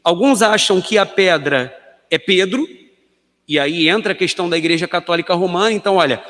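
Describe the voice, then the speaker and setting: A Brazilian man explaining a Bible passage in a measured teaching tone. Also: high voice, fairly bright tone, long reverb tail. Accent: Brazilian Portuguese. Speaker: Bible study panelist.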